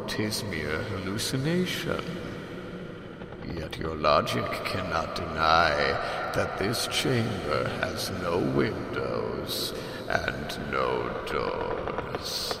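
A theatrical ghost host in an audio drama, gravelly and low, drawing out every word at a crawl with a wildly rising and falling tone. He stays gloating and mock-courteous while his voice booms through a cavernous hall over a bed of steady background ambience. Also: heavily acted. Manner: slow, gloating and mock-courteous, with eerie laughs. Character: sinister, theatrical ghost host of a haunted mansion. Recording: cavernous reverb with ambient noise.

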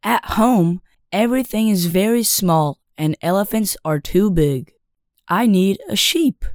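A man voicing a small golden-haired boy who asks gently and keeps insisting, in a storybook reading. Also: sits high, a little slow, no echo, studio quality, voice pushed up. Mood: insistent. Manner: gentle, persistent requests.

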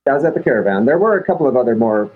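Husky middle-aged man on dull lo-fi audio. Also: mid-range voice, racing. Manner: reminiscing, wry, relaxed storytelling. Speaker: band member guest. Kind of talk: casual interview chat.

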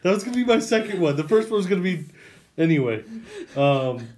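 A man's voice: high-pitched, very animated, a little fast, darkish tone. A man cohosting a casual Bible podcast, making dry teasing remarks. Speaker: co-host. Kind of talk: casual chat.

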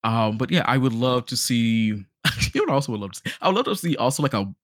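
A man's voice: mid-range voice, very animated, quick pace, no room sound, clean studio sound. A man hosting a podcast in casual chat, talking like an enthusiastic fan with joking asides. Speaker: podcast host. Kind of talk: casual podcast chat about games and films.

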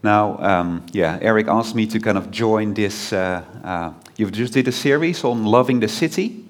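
A man's voice: lowish voice, moderate pace. A man from the Netherlands with a Dutch accent, giving a chatty, informal sermon as a guest preacher, full of fillers and restarts.

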